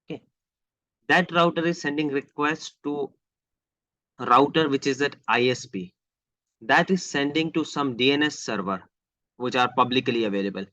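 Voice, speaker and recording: Explaining each step of a live online tech lesson via screen share, this Indian-accented IT trainer repeats phrases, slips into some Hindi, and articulates a bit unclearly. His voice is mid-range and fairly bright. The recording is dry, from a close microphone with dull, lo-fi quality.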